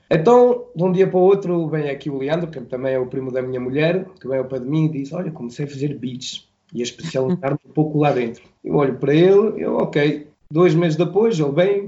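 A man's voice: a little high, mellow, highs cut off. Belgian man speaking Portuguese with a French accent. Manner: halting, restarts words, acts out quoted dialogue. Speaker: music producer guest. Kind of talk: radio interview.

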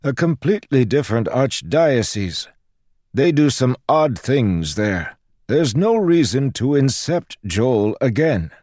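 A man doing a crotchety old priest, pitched up. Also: big pitch swings, takes it slowly, a little mellow, dry recording. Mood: dismissive. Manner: patronising, exasperated. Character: crotchety old male priest, weary and condescending.

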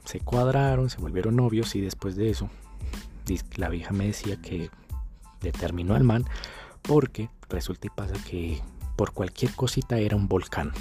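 A man's voice: on the low side, normal speed, mellow, faint music behind. Slangy young colombian man. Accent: Colombian Spanish. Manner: slangy, gossipy, repeats phrases for effect. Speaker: dating coach. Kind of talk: casual storytelling to camera.

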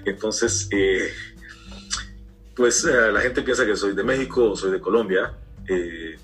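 A man in his fifties from Guatemala, an interview guest telling his story in a reflective, unhurried way. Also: fairly low pitch, fairly bright tone, soft background music, poor audio. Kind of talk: casual interview talk.

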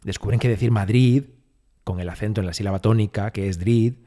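A man's voice: lowish voice, steady tone, fast talker, dark tone. A man with a Spanish accent from Spain co-hosting a podcast, explaining things and teasing in casual chat. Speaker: podcast co-host. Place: small home studio with some echo.

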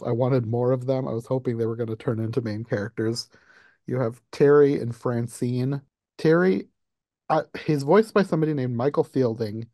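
Mellow-voiced man hosting a review podcast. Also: medium pitch, no room sound, studio quality. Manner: laughs often while recapping. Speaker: podcast host. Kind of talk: casual film review chat.

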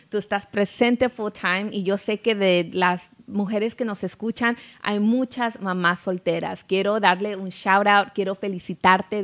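Female podcast host, supportive interviewer, Spanish with English phrases mixed in. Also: medium pitch. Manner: warm, affirming, mixes English phrases into Spanish.

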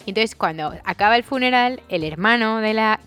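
A chatty woman, co-hosting a podcast in relaxed conversation. She tells long, rambling stories, with quick bursts between pauses. Faint music plays behind her. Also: fairly high pitch, clear, resonant tone. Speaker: podcast co-host. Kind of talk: casual chat.

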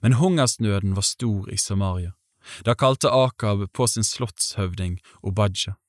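Man reading bible passages, low voice, slow steady delivery, totally dry studio sound. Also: no room sound. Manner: measured, even reading. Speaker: Bible reader. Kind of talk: scripted scripture reading.

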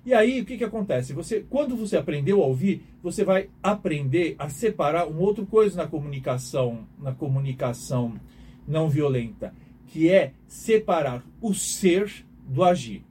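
A man's voice: on the high side, animated, normal speed, dark tone, slight background noise. Emphatic man lecturing. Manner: emphatic, questioning, repeats himself. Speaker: communication teacher. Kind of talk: lecture to an online audience.

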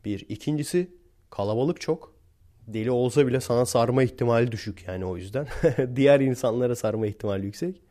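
A man's voice: medium pitch, fast talker, dark tone. A young man from Turkey talking blunt and slangy to his viewers, chuckling between points as he tells stories. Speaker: vlogger. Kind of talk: casual storytelling monologue to viewers.

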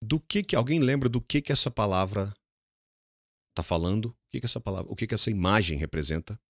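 Brazilian man with a Brazilian Portuguese accent, a low voice and a dry, close sound, teaching English and drilling students with questions and repeated words. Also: lively intonation, creaky, dry recording. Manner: repeats words slowly, asks students questions and answers them himself. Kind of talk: English lesson mixing in Portuguese explanations.

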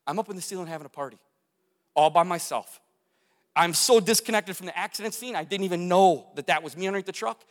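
A man's voice: high voice, fast. A man telling a dramatic personal story to an audience, repeating phrases for emphasis and gesturing as he goes. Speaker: speaker telling his near-death story. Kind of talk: testimony talk to an audience. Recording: long hall reverb.

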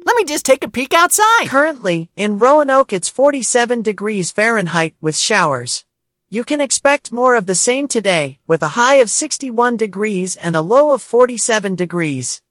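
A cheerful cartoon owl, high-pitched and chirpy. It swoops playfully through its answers as a quirky voice assistant for kids, in a dry, close recording. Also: female voice, big pitch swings, moderate pace, dry recording. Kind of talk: voice assistant character replies for children.

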